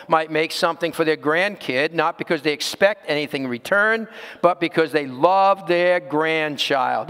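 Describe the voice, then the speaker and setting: A man's voice: on the high side, a bit bright, in a large hall. A man preaching a sermon as pastor, earnest and direct, putting rhetorical questions to his congregation.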